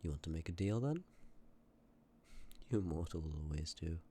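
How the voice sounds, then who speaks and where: A man playing a sympathetic, courteous Death in an ASMR roleplay, speaking with measured, formal politeness and often dropping toward a breathy whisper. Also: low voice, expressive, dark tone, a little hiss or hum. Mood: resigned, patient. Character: sympathetic, courteous personification of Death, calm and ancient. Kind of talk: ASMR roleplay, scripted acting addressed to listener.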